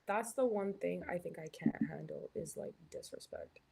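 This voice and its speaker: A woman's voice: on the low side, huge pitch swings, normal speed, gravelly, dark tone, slight background noise. A young woman from Canada, chatting casually as a live stream host while reading her chat, with lots of "like" and "um". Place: hotel room.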